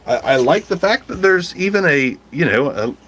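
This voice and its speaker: A man's voice: fairly high pitch, animated, moderate pace, a bit bright, husky. A man casually reviewing a microphone, blunt and a little profane, thinking aloud as he tests it. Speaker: mic reviewer.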